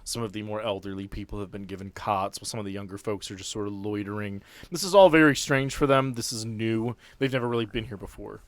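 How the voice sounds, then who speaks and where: A man's voice: lowish voice, fast talker, hardly any pauses, no echo. A man acting as game master, improvising narration and guiding players through a tabletop game.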